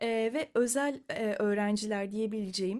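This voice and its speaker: Fairly slow speech with ordinary pitch variation, on a very clean recording with a silent background. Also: woman. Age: 30s. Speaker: clarinetist. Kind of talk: interview.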